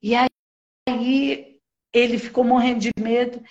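A middle-aged woman tells her own story in a conversation, her slightly high voice stopping and restarting as she checks in with little tag questions. The sound is muffled and lo-fi. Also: level tone, slow pace, darkish tone. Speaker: mentoring client sharing her story. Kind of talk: personal testimony in conversation.

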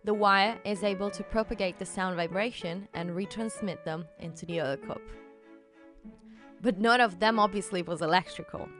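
She delivers scripted storytelling in a chatty, listener-directed style, mixing in personal asides as the podcast's host. Her mid-range voice is fairly bright and moves at normal speed, with soft music behind it.

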